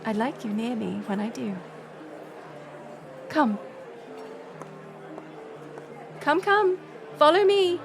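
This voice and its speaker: Woman acting a slow-spoken regal queen. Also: sits high, very animated, gravelly, noisy background, full character voice. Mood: kindly, commanding. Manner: formal, stately, measured diction. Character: regal middle-aged queen and mother, gracious, reassuring, resolute. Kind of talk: scripted audio roleplay acting.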